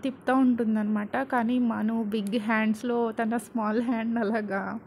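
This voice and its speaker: High-voiced woman telling a serial story. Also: moderate pace, vocal fry, slight background noise. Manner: conversational, animated retelling. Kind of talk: storybook narration.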